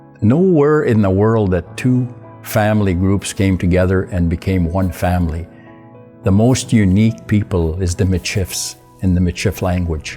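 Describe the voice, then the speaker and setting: A man's very deep, low voice at a moderate pace, with ordinary pitch variation, very even loudness and music in the background. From Manitoba, Canada. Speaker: Michif language interpreter. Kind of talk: interview answer.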